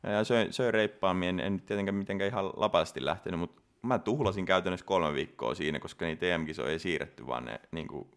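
Low-voiced man telling a rambling story. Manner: rambling, many restarts and fillers, laughs while telling. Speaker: bodybuilding competitor guest. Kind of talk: casual interview storytelling.

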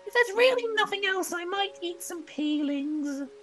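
A man's voice: lively intonation, measured pace, fairly bright tone, heavily acted. Whiny wooden puppet boy, sulky and whimpering, with faint music behind. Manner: squeaky falsetto, sulky and whimpering.

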